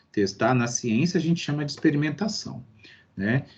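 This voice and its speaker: A man's fairly high, somewhat breathy voice. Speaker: university lecturer. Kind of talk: lecture.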